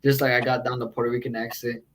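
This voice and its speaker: A man's voice: medium pitch, completely flat delivery, fast, a bit bright, a little hiss or hum. A young man hosting a podcast in casual chat, joking and swearing often. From Chicano background. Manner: profane, joking, laughs often. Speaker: podcast host.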